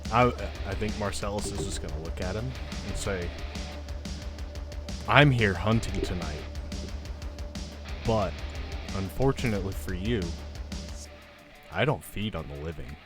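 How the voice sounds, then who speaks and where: A man's voice: low voice, measured pace, long pauses, over music. A man talking casually as a player in a tabletop roleplaying game.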